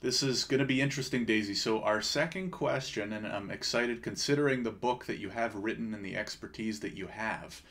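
Host: man, thirties, slightly low voice, conversational interviewer on a video call. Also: a little fast, hardly any pauses, a bit bright. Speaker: show host. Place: small room with bookshelves, indoors.

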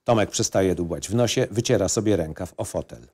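Low-voiced man narrating a script. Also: a little fast, warm tone. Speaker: narrator reading a film script. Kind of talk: scripted narration of stage directions.

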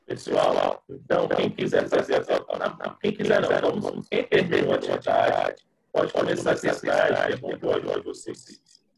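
A man's voice: very deep voice, completely flat delivery, moderate pace, creaky, rough recording. A male teacher with a Brazilian Portuguese accent, giving patient instructions to his class over a video call, his voice half robotic from a bad connection. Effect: half robotic, glitchy voice from a bad internet connection.

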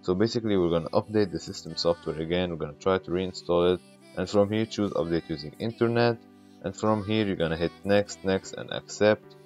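A man with a very deep voice talks the viewer through each step of a casual tech tutorial. His voice comes through a glitchy, bitcrushed mic that makes it sound robotic. Soft music plays faintly behind him. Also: a little fast.

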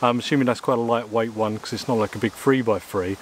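This English reviewer talks fast in a steady, medium-pitched voice while chatting casually about outdoor gear in the woods, peppering his speech with ums and uhs. He's filmed in and beside a small tent by a camera mic at close and mid distance, with a little hiss or hum present.

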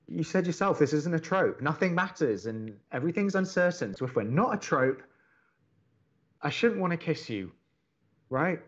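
Man acting love-struck young male campus radio host, earnest, deliberate, higher-pitched, expressive range, audio drama, slightly muffled sound. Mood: insistent.

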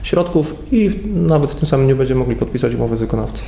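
A man in his forties, a county head, answering in a local TV studio interview, measured and full of hesitations. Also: mid-range voice, creaky, dark tone. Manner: measured, hesitant with many fillers. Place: TV studio at a table. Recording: echoey studio room.

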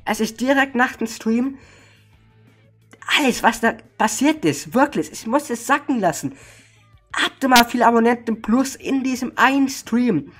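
A hoarse man giving a casual update to viewers as a streamer, excited and overwhelmed, repeating words for emphasis. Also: very high voice, moderate pace, soft background music. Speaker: streamer and gaming video creator.

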